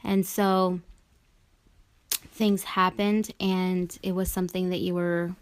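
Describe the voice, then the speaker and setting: A woman hosting a conversational interview, asking probing, empathetic questions in a halting way. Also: lowish voice, flat delivery. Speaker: show host, interviewer.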